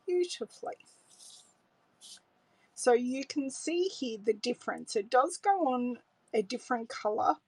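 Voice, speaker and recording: A woman's voice: fairly high pitch, vocal fry, slightly rough, no room sound, poor audio. A middle-aged Australian woman demonstrating card making on a live stream, chatting casually and thinking aloud as she works. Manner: chatty, relaxed, thinks aloud while working. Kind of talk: live craft tutorial with viewer greetings. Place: home craft room, indoors. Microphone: overhead camera setup, hands on desk.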